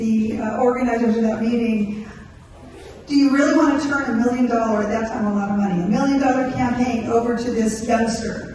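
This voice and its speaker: A woman's fairly quick speech in a strongly echoing room, with light background noise. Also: fairly even intonation. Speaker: meeting host introducing guest. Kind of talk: speech introduction. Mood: warm, humorous. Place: hall.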